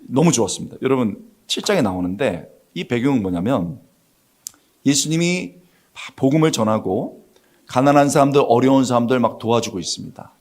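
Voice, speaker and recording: A middle-aged man pastor giving a lively sermon in a church, acting out the characters and asking the congregation questions. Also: medium pitch, brisk. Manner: animated storytelling, voices Bible characters, asks the congregation questions. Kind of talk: lively sermon with acted-out quotes. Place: church sanctuary.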